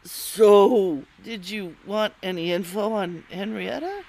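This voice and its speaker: A woman's voice: medium pitch, slow pace, creaky, darkish tone. A woman playing a tough, threatening lady wrestler in an old-time radio noir parody, hard-boiled and brusque.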